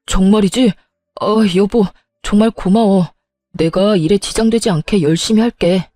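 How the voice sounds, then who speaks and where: A woman's voice: medium pitch, normal speed, warm tone, dry recording, soft background music, lightly acted. A woman voicing a weak, self-serving young husband who keeps begging in a storybook narration. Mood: pleading.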